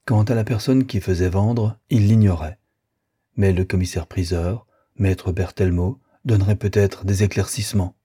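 Husky, low-voiced man reading a novel. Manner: measured, even storytelling. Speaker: audiobook reader. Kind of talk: literary audiobook narration.

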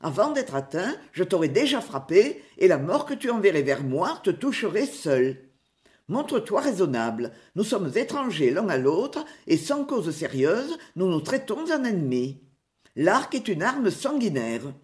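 A woman voicing Robin Hood as a proud, commanding outlaw chief who speaks in a lofty, measured way. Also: lowish voice, sing-song, a little mellow. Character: proud confident outlaw chief, adult man.

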